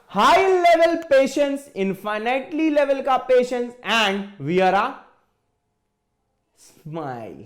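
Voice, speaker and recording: A middle-aged man teaching maths in an online exam-prep lecture, playful and jokey, calling his students "beta". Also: high-pitched.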